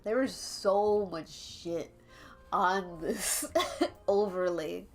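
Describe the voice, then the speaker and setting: Speaking extremely slowly in a lowish voice, a young art streamer with a stuffy, congested nose chats and rambles casually to her audience as she draws. She laughs often, and faint calming jazz drifts in the background.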